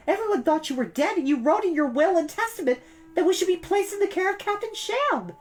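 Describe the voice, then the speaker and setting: Woman acting a young girl, storybook heroine, high, animated, earnest, firm, urgent. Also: brisk. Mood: urgent, upset. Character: bold, impatient young girl, earnest older sister.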